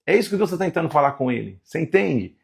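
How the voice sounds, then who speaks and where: A man preaching through a Bible chapter, his voice gravelly and husky. He reads verses aloud and exclaims with emotion, voicing God's words with rising emphasis. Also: fairly high pitch, very animated, quick pace. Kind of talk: Bible reading and sermon.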